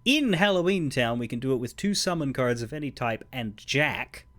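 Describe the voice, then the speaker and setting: A man's voice: mid-range voice, big pitch swings, moderate pace, fairly bright tone. A man giving casual, analytical game commentary as a let's player, with some offhand swearing. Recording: game music behind voice.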